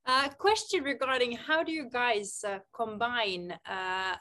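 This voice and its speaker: A woman's voice: a little high, unhurried, bright, forceful tone. A woman in her thirties from Finland whose first language is Swedish, an actress chatting casually in an interview from a studio set.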